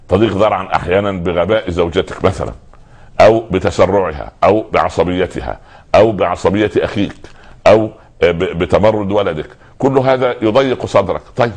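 A man preaching a sermon, pressing listeners with rhetorical questions that build in emphasis. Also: low voice. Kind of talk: religious sermon.

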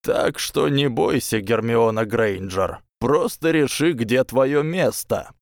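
A man voicing a calm, wise magical talking hat in an audiobook. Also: medium pitch, a little slow, no echo, studio quality, voice pushed up, close to an everyday voice. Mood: calm, reassuring. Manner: calm, reassuring.

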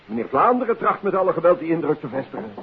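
A man acting an indignant, dismissive gentleman under questioning in a 1950s radio drama, curt and haughty. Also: on the high side, sing-song, quick pace. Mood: irritated. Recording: hissy, narrow-band 1950s radio recording.

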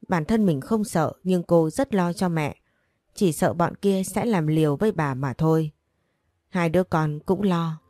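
A woman reading a story aloud in a steady, scripted narration. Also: on the low side, unhurried, no room sound. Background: faint music.

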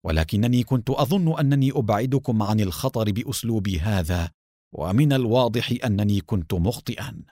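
A man voicing a grave male team leader who speaks low and subdued, in a storybook reading. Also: animated, brisk, mellow, no echo, studio quality. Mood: resigned.

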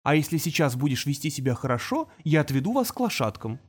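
A man's voice: a little high, very animated, fast. A man voicing a patient teenage boy genius who talks in a precise, lecturing way.

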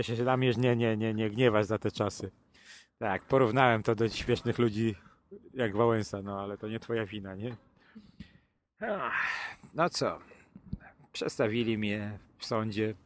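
A man telling long, crude, colloquial stories in a casual podcast chat, with joking asides. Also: on the low side. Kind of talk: casual anecdotal storytelling.

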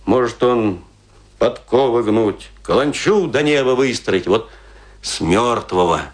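A man's voice: mid-range voice, expressive, takes it slowly. A male actor playing a tipsy provincial man who rambles and muses smugly in a radio play, asking and answering his own questions. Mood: boastful musing. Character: tipsy, rambling Russian provincial philosophizing over drinks. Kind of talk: theatrical radio-play monologue.

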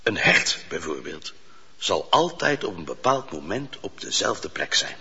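An actor playing a humble, earnest poacher in a radio drama, explaining himself deferentially and insistently. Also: male voice, sits low, sing-song, a little slow, bright, forceful tone, husky, exaggerated voice. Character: humble, earnest male poacher held prisoner. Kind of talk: Dutch radio drama acting. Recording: muffled, reverberant radio drama recording.

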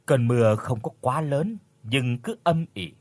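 A man's voice: mid-range voice, animated, measured pace, a little mellow, no echo. A man narrating a ghost story in a dramatic storytelling manner.

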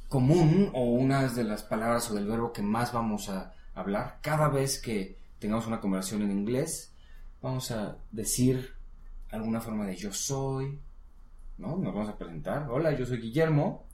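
Mexican man, mid-pitched voice, encouraging tutor, echoey room. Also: moderate pace, a little mellow. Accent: Mexican Spanish. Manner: patient, encouraging, checks in with "¿va?". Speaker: English teacher. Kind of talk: casual one-on-one lesson. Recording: roomy echo.

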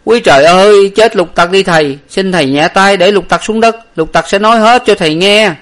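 A man's voice: sits high, a little fast, fairly bright tone, voice pushed up. A man voicing a frightened young male servant who stammers and pleads in tears. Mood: wailing, frightened. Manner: wailing, stammering pleas.

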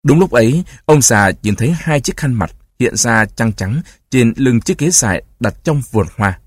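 A man reading a novel aloud as narrator, in a steady, even way, with a husky voice. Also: mid-range voice, normal speed, dry recording. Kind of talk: scripted audiobook narration.

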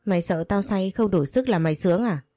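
A woman's voice: medium pitch, fairly quick, warm tone, dry recording, soft background music, lightly acted. Woman voicing a drunk, bullying husband. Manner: snarling, bullying. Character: drunk, brutal, threatening young husband.

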